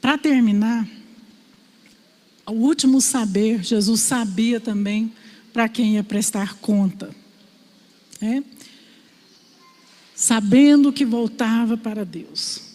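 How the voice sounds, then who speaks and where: Higher-voiced woman preaching in a reverberant hall. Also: slow pace, pauses often. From Brazil. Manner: storytelling, animated voices for quoted father. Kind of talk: sermon. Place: church hall.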